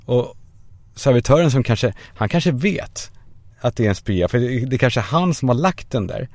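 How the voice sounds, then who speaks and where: A man's voice: mid-range voice, expressive, a little mellow, dry recording. A young man hosting a podcast alone from a parked car, a self-mocking, swearing comic monologue. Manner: self-mocking, swearing, acts out voices in quotes. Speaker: podcast host.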